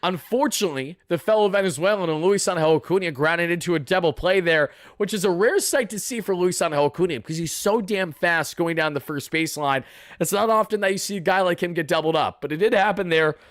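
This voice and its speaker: A young man, hoarse from yelling, chatting through a baseball game recap for live viewers in a casual, boastful way. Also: high-pitched, fast, no echo, clean studio sound. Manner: chatty, boastful fan banter. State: raspy from yelling. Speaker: sports fan channel host.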